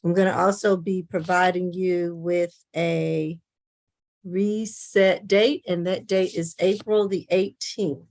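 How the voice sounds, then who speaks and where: Measured woman judge addressing a court. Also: lowish voice, steady tone, darkish tone. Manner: measured, explanatory, procedural. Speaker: judge presiding over a court calendar. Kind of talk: formal court announcements, procedural explanation. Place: remote court hearing on video call.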